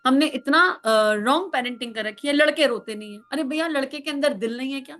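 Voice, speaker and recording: A woman's voice: high voice, a little fast, fairly bright tone. A woman counsellor giving a spiritual talk, emphatic and full of rhetorical questions, now and then acting out family members.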